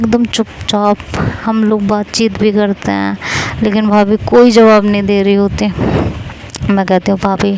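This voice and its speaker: A woman's voice: mid-range voice, gravelly, noisy background. A young woman narrating a first-person audio story in a chatty way, repeating phrases.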